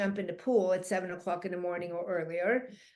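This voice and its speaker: In a room with audible echo, a woman talks with monotone, flat intonation. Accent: non-native. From Europe. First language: not English. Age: 60s. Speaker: physical therapist. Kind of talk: interview.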